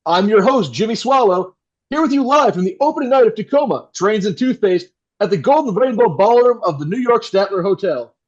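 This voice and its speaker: A man's voice: sits high, a little mellow, muffled recording. A man playing a slick, enthusiastic 1960s radio host who can turn into a crude jerk. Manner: enthusiastic, showy patter. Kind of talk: 1960s radio announcer acting.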